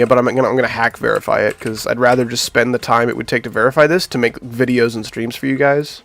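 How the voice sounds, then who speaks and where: A man with a nasal voice from being sick, chatting casually to his live-stream viewers while he builds a game level. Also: medium pitch. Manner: chatty, talks to chat while working.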